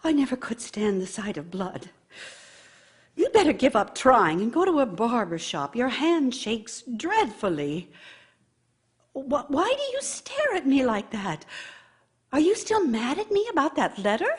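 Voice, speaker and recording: An actress playing a bitter, long-suffering wife in a radio play, nagging and scornful, with a husky voice. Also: female voice, fairly high pitch, very animated, a little slow, heavily acted. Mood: accusing, scornful. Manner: scornful, reproachful, needling. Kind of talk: radio theater monologue.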